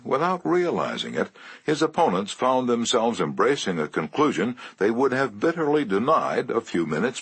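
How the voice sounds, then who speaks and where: A man reading a self-help audiobook in a measured, lively way, slowing down for emphasis. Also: on the low side, husky, dry recording. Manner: measured, lively delivery with slow emphatic phrases. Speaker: audiobook narrator. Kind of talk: scripted audiobook narration.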